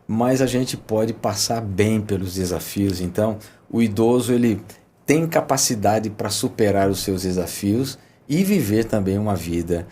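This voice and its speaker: A man, a pastor hosting the talk, speaking calmly and affirmingly in a casual panel conversation. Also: fairly low pitch, unhurried, slight background noise.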